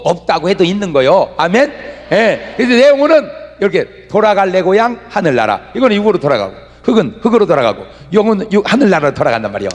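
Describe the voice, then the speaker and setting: A man preaching a revival sermon from the pulpit, humorous and animated, drawing answers back from the congregation. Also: high voice, slightly rough. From Chungcheong, Korea. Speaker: pastor. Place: large church revival meeting. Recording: echoey hall reverb.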